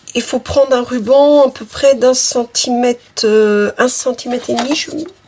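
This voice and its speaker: Over noticeable background noise, a woman talks in a high voice. Her pitch varies in an ordinary way. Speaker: crafting tutorial host. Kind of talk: tutorial.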